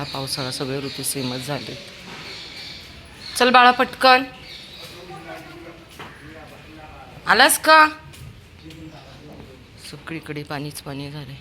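A woman filming her dog, coaxing and calling him in a singsong voice between casual remarks. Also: deep voice.

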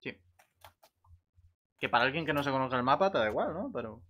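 A man with an accent from Spain chatting casually over a voice call, in a halting way that repeats words. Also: mid-range voice, expressive, sharp tone. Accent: Spanish from Spain. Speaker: gamer in a voice chat. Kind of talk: casual chat. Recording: slightly dull voice-chat audio.

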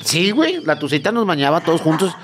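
A man's voice: on the high side, very animated, quick pace, noisy background. A man with a Mexican accent, a comedian guest bantering and teasing his partner in casual comedic talk. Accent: Mexican Spanish. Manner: joking, teasing, rambling.

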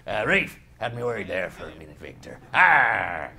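A man voicing a boastful, salty male pirate in a gruff, theatrical comic voice. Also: lowish voice, sing-song, moderate pace, sharp tone, full character voice. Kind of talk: comic improvised character voice.

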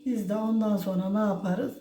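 Older woman, toothless speech, mellow tone, homely recipe presenter in an echoey room. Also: medium pitch, steady tone, fairly quick. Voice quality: toothless, soft-edged articulation. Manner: folksy, addresses viewers as friends, speaks in blessings. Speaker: home cook presenting a recipe. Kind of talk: casual homely cooking demonstration. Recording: roomy echo, faint background noise.

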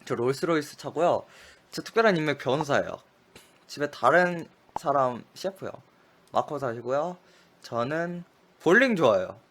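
Animated, lively-voiced gaming streamer. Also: male voice, medium pitch. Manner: rattles off answers in quick, clipped replies; frustrated outbursts and muttered curses at mistakes. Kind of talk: playing a memory quiz game aloud.

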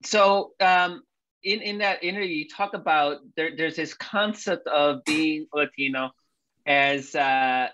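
A man's voice: on the high side, pushed and bright, slight background noise. A middle-aged man moderating a panel over a video call, asking long questions with hesitant restarts. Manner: hesitant, halting, many "um"s and restarts. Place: indoor room, plain wall. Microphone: video call webcam. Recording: dull webcam audio.

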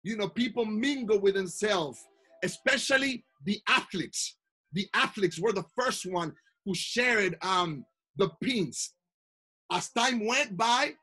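A man's voice: high voice, sharp tone, slightly rough. A man presenting a lesson on pin trading to youth learners, repeating himself, restarting phrases and adding asides to the learners. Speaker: Pathfinder instructor.

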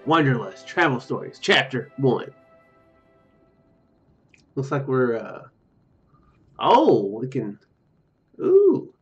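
A young man gives casual let's play commentary, reading on-screen text aloud and drifting into joking asides. His mid-pitched voice moves up and down freely. The recording is a little dull, with music playing behind him. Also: wildly swooping pitch, slow pace, pauses often. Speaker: video game streamer. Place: small room at home, indoors. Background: game music.

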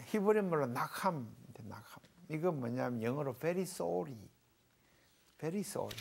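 A middle-aged pastor teaches scripture to a small panel. His pitch swings widely as he works through his points. He explains old Hebrew words with homely everyday examples. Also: animated, unhurried, creaky, a little hiss or hum. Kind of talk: televised Bible lecture with a panel.

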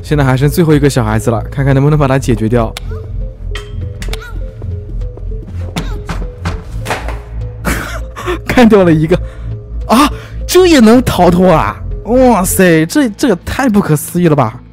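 A man giving lively, teasing commentary as he plays a video game, full of exclamations. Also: a little high, brisk, soft background music. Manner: excitable, teasing, frequent exclamations and laughs. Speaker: gaming YouTuber. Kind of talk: let's play commentary.

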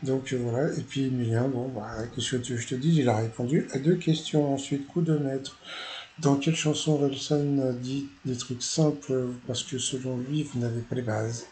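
A man talks through a quiz show episode in a loose, rambling recap, stopping and restarting often. His voice is dark and mellow. A faint hum of ambience sits behind him. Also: mid-range voice, steady tone, moderate pace. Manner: rambling, full of fillers and restarts. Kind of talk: casual recap commentary.

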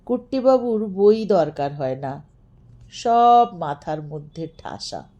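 A woman narrating a scripted story as an expressive storyteller. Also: on the low side, slow, dull audio.

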